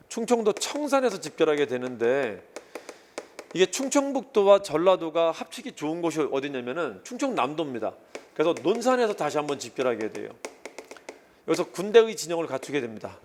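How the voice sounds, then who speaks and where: A man giving an exam-prep history lecture in a casual, animated way, briefly acting out quoted lines as he goes. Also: on the high side, a little hiss or hum.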